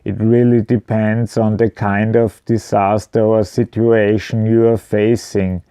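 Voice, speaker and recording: A man's voice: on the low side, level tone, unhurried, dark tone, clean tone, dry recording, clean studio sound. A man giving an informal product explanation at home, speaking in a hesitant, matter-of-fact way. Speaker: video presenter. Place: indoors at home.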